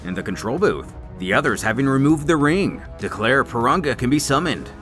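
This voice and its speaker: A man's voice: medium pitch, big pitch swings, brisk, over music. A man delivering scripted story recap narration in a dramatic storytelling manner, with wry asides.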